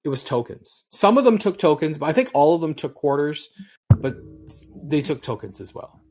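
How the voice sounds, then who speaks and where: A man's voice: fairly high pitch, big pitch swings, moderate pace, darkish tone, slightly rough, soft background music. A man in his forties hosting a casual podcast chat, rambling through long stories at an easygoing clip. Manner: rambling storyteller. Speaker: podcast host.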